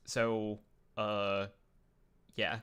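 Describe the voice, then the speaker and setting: A bright, clear-toned man chats on a live stream. He rambles and restarts, scattering uhs as he talks through pictures, casual and loose. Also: lowish voice, flat delivery, drawn-out words. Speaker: show host sharing his picture folder.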